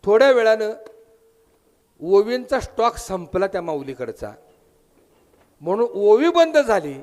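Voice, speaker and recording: A man's voice: sits high, big pitch swings, measured pace, darkish tone. A man with a Marathi accent preaching a devotional kirtan sermon, telling a story, voicing its characters and breaking into sung verses. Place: temple hall with audience.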